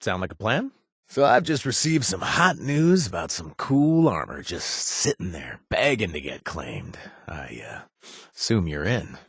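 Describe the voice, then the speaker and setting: A man's voice: sits low, very animated, a little slow, gravelly, slightly rough, no room sound, clean studio sound, full character voice. An actor playing a wry adult male bartender and former gang member, joking and conspiratorial, in video game voice lines. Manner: joking and conspiratorial, laughs often.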